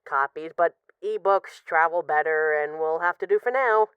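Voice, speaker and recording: Low, smooth actress as an affectionate mafia boss. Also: female voice, moderate pace, no room sound, dull audio, natural voice. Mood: bored, wry. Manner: hesitant, sighing, wry, conversational. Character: affectionate, wry female mafia boss missing her partner. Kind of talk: scripted audio roleplay as intimate rambling voicemails.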